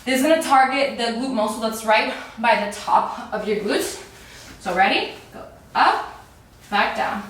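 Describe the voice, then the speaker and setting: A woman's voice: fairly high pitch, lively intonation, measured pace, fairly bright tone. A woman leading a workout in a peppy, encouraging, casual way, exerting herself as she talks. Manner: exerting herself while talking. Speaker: fitness coach leading a workout. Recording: echoey room, distant microphone.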